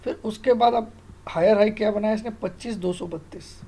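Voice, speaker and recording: Speaking fairly quickly in a mellow voice that sits high, this middle-aged man tutors online on reading trading charts. He's confident and emphatic, casually putting questions to the listener to make sure they're keeping up. Slight background noise is present.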